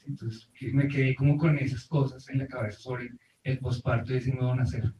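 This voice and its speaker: A man's voice: medium pitch, steady tone, fairly quick, muffled recording. A man in a group circle sharing reflections, thoughtful and searching for words. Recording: roomy, far off the mic, faint noise.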